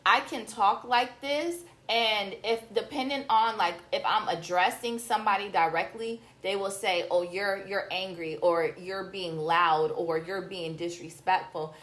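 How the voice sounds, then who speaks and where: An American woman talks as a podcast host in a mid-pitched voice. Her style is casual and conversational, yet direct and assertive, often turning to advice. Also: unhurried, few pauses, fairly bright tone.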